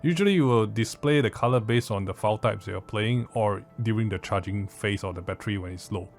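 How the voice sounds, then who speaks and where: A man's voice: on the low side, fairly quick, darkish tone. A man with a Southeast Asian accent giving a casual product review in a blunt, informal, mildly sweary way. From Southeast Asia. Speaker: audio gear reviewer.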